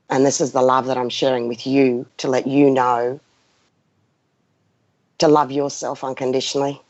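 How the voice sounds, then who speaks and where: A woman of Greek background in her fifties speaks in a rumbling low, somewhat mellow voice while hosting a live spiritual session. Her talk is unscripted and passionate, emphatic, with repeated phrases guiding listeners along. Audio is lo-fi, roomy and muffled.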